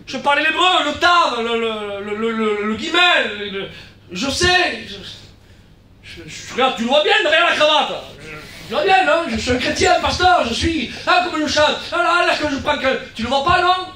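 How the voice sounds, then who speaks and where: A man with a southern French accent preaching a sermon as guest pastor, building to shouts and dropping into quieter asides, often repeating himself. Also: extremely high pitch, animated, moderate pace. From South of France. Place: church hall. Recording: echoey church, from far off.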